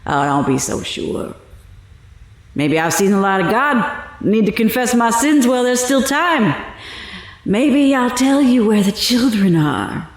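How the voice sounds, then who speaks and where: An actor playing a self-assured, menacingly coy female killer on death row in an audio horror drama, with a taunting, unhurried way of talking. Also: on the high side, sing-song. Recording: echoey room with music behind.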